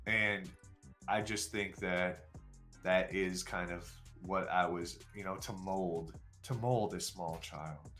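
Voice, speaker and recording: A low-pitched man in his forties talks openly with a live stream audience, circling his thoughts with fillers and wry self-deprecation. Faint music plays underneath. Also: fairly even intonation, slow, a bit bright. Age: 40s. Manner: candid, rambling and self-deprecating, with frequent fillers. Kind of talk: casual chat with viewers.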